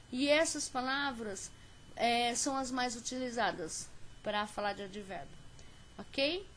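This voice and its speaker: A woman with a Brazilian Portuguese accent teaching an English lesson on video, slowly stressing each example word. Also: a little high, a bit bright, slight background noise. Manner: slow, clear teaching pace with stressed example words.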